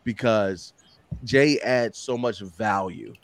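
A man's voice: on the low side, takes it slowly. A man hosting a podcast, introducing guests with loose, profane banter. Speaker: podcast host. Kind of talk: casual podcast chat.

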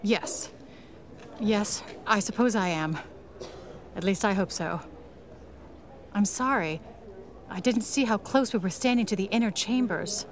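An actress playing a calm, wistful, world-weary woman with dry, reflective delivery in a pulp radio drama. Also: mid-range voice, measured pace, pauses often, slight background noise, natural voice. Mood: distracted, intent. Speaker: actor in an audio drama.

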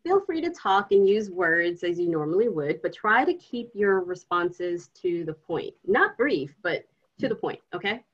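A breathy, lively young filmmaker. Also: female voice, lowish voice, unhurried, lo-fi sound. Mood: probing. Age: young adult. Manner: lively, probing, gently mocking. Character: young woman grad student filming an interview.

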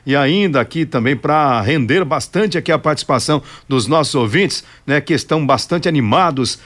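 A man's voice: on the high side, animated, normal speed, a bit bright. A Brazilian man hosting live radio talk and reading out listener messages. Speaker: radio host.

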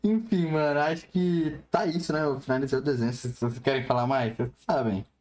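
A man's voice: a little high, fairly even intonation, quick pace, a little mellow. A man with a Brazilian Portuguese accent hosting a casual, slangy chat. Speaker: host of a drawing chat show.

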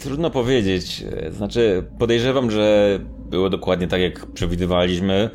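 A man's voice: sits low, fairly even intonation, normal speed, a little mellow, a little hiss or hum. A man playing a tabletop game who talks thoughtfully and reasons things out at length. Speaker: player. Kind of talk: casual chat at a tabletop game.

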